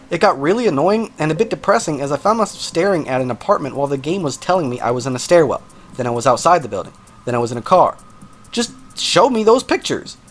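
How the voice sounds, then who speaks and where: A man's voice: fairly high pitch, slight background noise. A man narrating a casual, scripted video game review as the host, in an informal, conversational way with joking asides.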